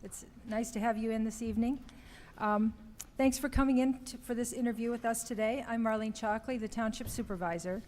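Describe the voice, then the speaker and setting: A woman chairing a township meeting, explaining the procedure haltingly with many ums. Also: on the high side, fairly even intonation, darkish tone. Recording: long hall reverb with faint ambience.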